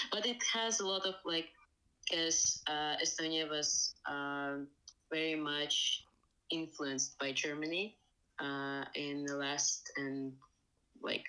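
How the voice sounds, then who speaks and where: A woman's voice: low-pitched, slow pace, bright, forceful tone, poor audio. A woman with a Russian accent, speaking English as a third language as a podcast guest, hesitant and full of fillers. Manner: hesitant, many fillers and restarts. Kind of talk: casual interview talk. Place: Estonia.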